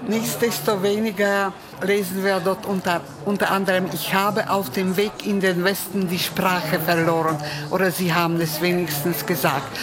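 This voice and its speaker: Low-voiced woman interviewer, halting. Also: level tone, crowd noise. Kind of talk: radio interview questions.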